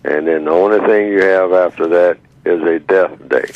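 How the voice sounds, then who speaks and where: A man in his eighties speaking by phone as a radio guest over a clipped line, slow and measured with halting fillers. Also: low voice. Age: 80s. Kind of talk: radio call-in talk by phone. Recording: dull, dry phone line.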